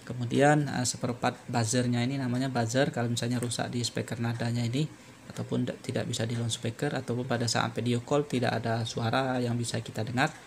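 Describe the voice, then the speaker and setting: A man presenting an unscripted step-by-step repair tutorial, halting and repetitive as he explains. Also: medium pitch, flat delivery, creaky, a little hiss or hum.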